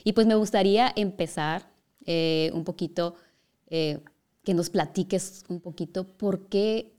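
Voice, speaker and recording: Smooth-voiced woman hosting a casual interview. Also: lowish voice, a little slow, a little mellow. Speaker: podcast host, interviewer.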